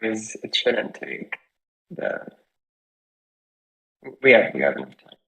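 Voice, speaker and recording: Creaky man, voice cutting in and out. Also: fairly low pitch, very animated, slow, fairly bright tone, rough recording. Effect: voice cutting in and out on a bad connection. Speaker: developer presenting in an online community call. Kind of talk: casual online meeting talk. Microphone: video call microphone.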